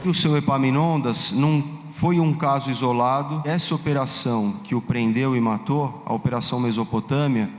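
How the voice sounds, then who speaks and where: A man's voice: medium pitch, normal speed. A Brazilian man delivering scripted documentary narration in a reverberant space. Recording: echoey, long room reverb.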